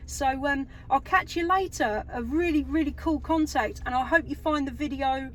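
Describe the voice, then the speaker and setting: A woman's voice: high voice, moderate pace. A woman, chatting enthusiastically as a CB radio operator inside a car. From England. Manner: enthusiastic, gushing. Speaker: amateur CB radio operator and video maker. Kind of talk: casual CB radio contact chat. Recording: very noisy radio static and clicks.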